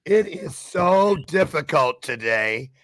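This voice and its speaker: A man's voice: a little high, expressive, takes it slowly, fairly bright tone, no room sound. Chatty, playful male talk show host. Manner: chatty, upbeat, playful showman. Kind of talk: casual live online show chat.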